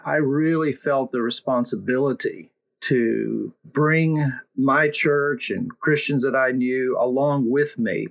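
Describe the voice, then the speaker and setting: A middle-aged man talking as an interview guest in an earnest, halting way, often repeating words and adding fillers. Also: medium pitch, gravelly, a bit bright, rough recording. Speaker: mission organization director, guest. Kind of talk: interview conversation.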